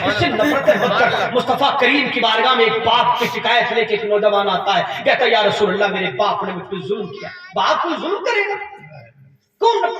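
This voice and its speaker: A man delivers a fiery sermon in a high, bright, ringing voice, telling stories and swelling into shouts. He is heard from a distance in a large hall whose long echo trails after each phrase. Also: lo-fi sound. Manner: impassioned, storytelling, rising to shouts. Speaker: Islamic preacher. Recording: echoey hall from far off.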